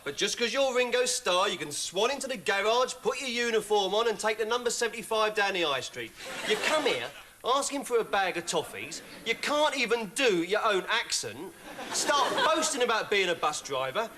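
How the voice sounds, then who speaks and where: Deadpan man in a noisy recording. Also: high-pitched, moderate pace. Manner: dry, deadpan delivery rising to indignant rant. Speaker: comedian in sketches. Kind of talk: sketch comedy acting.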